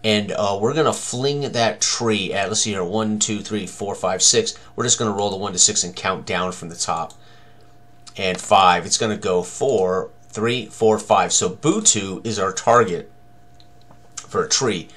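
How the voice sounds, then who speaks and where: An older man in his sixties with a fairly low voice gives a tutorial on tabletop game combat. He speaks haltingly, thinking aloud as he works through each step at his desk. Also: a bit bright.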